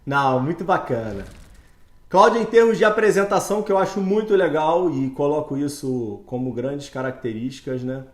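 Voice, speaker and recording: A man's voice: fairly high pitch, lively intonation, normal speed. Chatty brazilian man in an echoey room. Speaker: host, ophthalmologist. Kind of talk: interview podcast.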